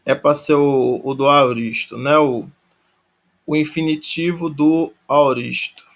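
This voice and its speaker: Slow-talking man teaching a grammar lesson. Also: a little high, fairly even intonation. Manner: thinks aloud, many restarts and tag questions; spells out verb endings syllable by syllable. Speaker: Greek teacher. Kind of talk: casual recorded grammar lesson.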